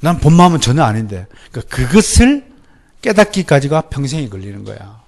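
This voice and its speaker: A middle-aged male pastor with a Gyeongsang accent, preaching a sermon lecture in a lively, animated way, often mimicking others. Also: medium pitch, brisk, vocal fry. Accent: Gyeongsang Korean. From Gyeongsang region, Korea. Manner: lively, animated, mimics people in quoted voices.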